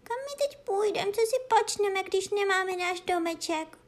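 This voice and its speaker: A woman voicing a small, anxious female kitten in a children's storybook, talking in a high, pleading, fretful way.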